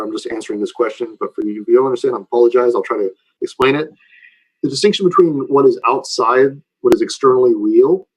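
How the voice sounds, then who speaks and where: A man's voice: medium pitch, a little mellow, breathy edge, poor audio. A man lecturing informally and taking questions, explaining in a conversational way and often checking that listeners follow.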